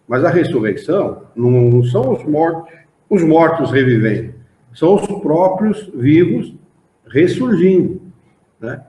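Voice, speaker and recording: A man's voice: fairly high pitch, big pitch swings, a little slow, mellow. A man with a Brazilian accent leading a spiritist study class, explaining texts and asking the group rhetorical questions. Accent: Brazilian Portuguese. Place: meeting room of a study association. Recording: roomy, dull lo-fi room recording.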